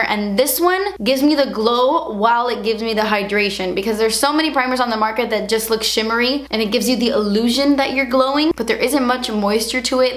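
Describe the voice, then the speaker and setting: A woman in her twenties reviewing her favorite makeup products in a chatty, gushing way, her voice a little hoarse from shouting. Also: on the high side, roomy sound. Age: 20s. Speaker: beauty vlogger.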